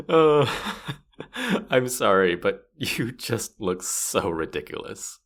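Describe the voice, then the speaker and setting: A low-voiced, impish male spirit of the afterlife, acted by a man in a fantasy audio drama. He teases and boasts theatrically, swooping freely up and down as he offers mock sympathy. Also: fairly bright tone, full character voice. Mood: mocking amusement. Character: playful, boastful male disembodied afterlife trickster spirit guide. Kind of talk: scripted fantasy audio roleplay acting.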